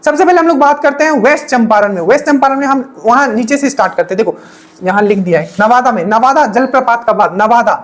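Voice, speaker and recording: A woman's voice: a little high, animated, quick pace. A woman teaching an exam-prep lesson, repeating each memory trick and checking in with the class again and again. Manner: repetitive drilling, frequent checking-in asides.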